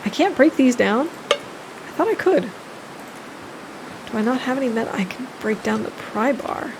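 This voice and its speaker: A woman's voice: on the high side, lively intonation, normal speed, noisy background. Chatty woman streaming a survival game. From United States. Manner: chatty, laughs often, answers chat by name. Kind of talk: casual gameplay chat with chat readers.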